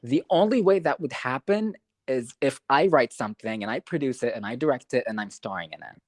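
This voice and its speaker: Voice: medium pitch, expressive, brisk, no room sound. A young adult podcast co-host talking in casual chat, gushing and emotional, swearing freely.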